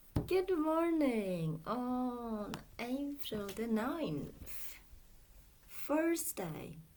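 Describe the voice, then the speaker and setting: In audible room echo, a woman speaks very slowly at a high pitch, her voice making very wide pitch swings. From Poland. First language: Polish. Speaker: life coach. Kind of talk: social media talk.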